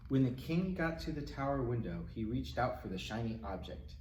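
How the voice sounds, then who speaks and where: Male storytime reader for a picture book, lively swooping intonation and playful asides, heard in an echoey room with faint noise. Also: mid-range voice, normal speed. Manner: animated, dramatic, with exclamations and asides to children. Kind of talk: expressive children's picture-book read-aloud. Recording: roomy, distant mic, faint noise.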